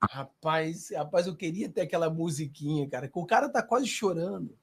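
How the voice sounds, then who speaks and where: A man with a Brazilian accent hosting political commentary, animated and sarcastic, talking straight to his viewers. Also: a little high, normal speed, a little hiss or hum. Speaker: host.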